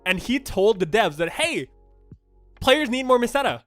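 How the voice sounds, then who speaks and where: A man's voice: very high voice, big pitch swings, moderate pace, fairly bright tone, dry recording, studio quality, soft background music. A young man from Thailand whose first languages are Thai and Japanese, talking through game news in a chatty, blunt way with lots of fillers and restarts. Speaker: gaming streamer. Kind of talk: casual game news reaction commentary.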